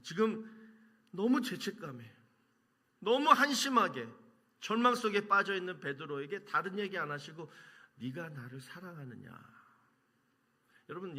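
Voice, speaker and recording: A man preaching a sermon as pastor, quizzing the congregation and answering his own questions, moving between loud emphasis and hushed lines. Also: on the high side. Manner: asks the congregation questions and answers them himself.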